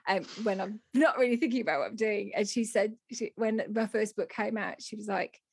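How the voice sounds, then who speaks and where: A woman in her thirties with a Black Country accent, co-hosting a podcast and telling stories in a chatty, animated, self-mocking way. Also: mid-range voice, fairly quick, gravelly, breathy edge, dry recording, clean studio sound. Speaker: podcast co-host. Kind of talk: casual chat.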